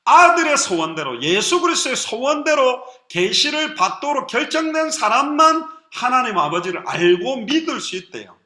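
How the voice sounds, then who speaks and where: A man preaching a sermon as pastor, animated and lively. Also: very high-pitched, normal speed, hardly any pauses, reverberant. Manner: lively preaching with acted quotes.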